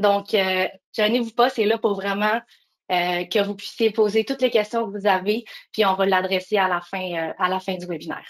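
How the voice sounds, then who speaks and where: In a Saguenay accent, a woman of medium pitch speaks at a moderate pace with fairly even intonation. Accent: Saguenay Quebec French. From Quebec, Saguenay. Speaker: company co-founder, former kinesiologist. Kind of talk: webinar presentation. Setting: live webinar. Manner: hesitant, many fillers.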